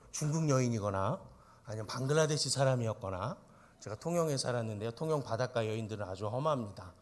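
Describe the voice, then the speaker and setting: A male pastor preaching an emphatic sermon in church, often turning to the congregation with rhetorical questions. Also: medium pitch.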